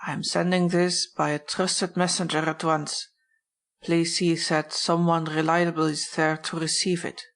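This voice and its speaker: A woman voicing a formal, courtly German baron in an audiobook, speaking with slow deliberation. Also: sits low, level tone. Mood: solemn, courtly. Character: Trent posing as a formal, solemn German baron.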